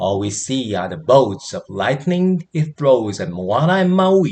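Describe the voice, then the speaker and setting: A man speaks at a moderate pace with a somewhat breathy voice. His pitch swings very widely. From South Korea. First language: Korean. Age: middle-aged. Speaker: English teacher YouTuber. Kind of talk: reading aloud; tutorial. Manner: halting, many fillers.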